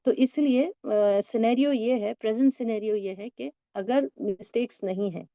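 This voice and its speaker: Reading English sentences slowly and word by word, a woman teacher guides her learners with patient explanations. Her voice is warm, mellow and on the high side, recorded close and dry without any echo.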